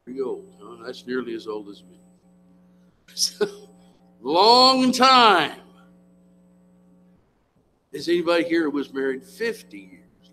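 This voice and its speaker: Standing before his congregation in church, an American man in his seventies delivers a sermon in a slightly high, sharp voice. He speaks plainly and emphatically with a folksy touch, frequently questioning the people in front of him.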